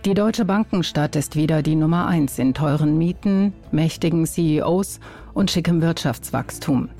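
An actress voices a formal radio newsreader, a woman with a low, dark tone. She delivers a satirical bulletin deadpan, with soft music underneath. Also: moderate pace, natural voice. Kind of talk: scripted radio news bulletin.

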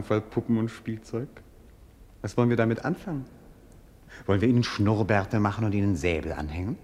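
An actor playing a dreamy young prince, speaking lyrically and with gentle irony in a classic radio play. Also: male voice, mid-range voice, lightly acted. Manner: lyrical, theatrical, gently ironic.

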